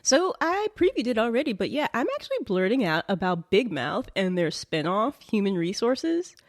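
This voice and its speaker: A woman co-hosting a podcast in casual conversation, light-hearted and quick to laugh. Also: medium pitch, sing-song, no echo, clean studio sound. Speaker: podcast co-host. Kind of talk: casual banter between co-hosts.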